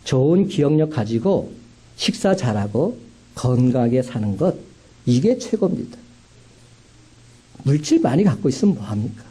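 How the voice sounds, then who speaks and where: A man preaching a sermon as a pastor, with emphatic rising climaxes and slow, stressed phrases. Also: mid-range voice, sing-song, mellow, slightly rough.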